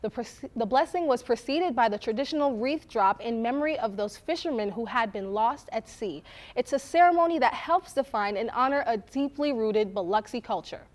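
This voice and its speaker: A woman's voice: on the high side, animated, moderate pace. A woman reading scripted local news as an anchor at a studio desk.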